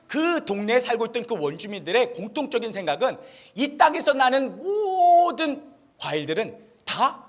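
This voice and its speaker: A man's voice: very high-pitched, a bit bright. A male pastor preaching a sermon, telling a story and putting rhetorical questions to the congregation. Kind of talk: Christmas sermon.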